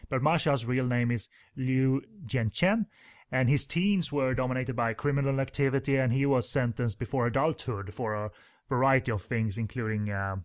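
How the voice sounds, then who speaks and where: Male podcast host, casual movie commentary, rambling, fillers, mid-pitched voice. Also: moderate pace. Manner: rambling, hesitant, many fillers and restarts.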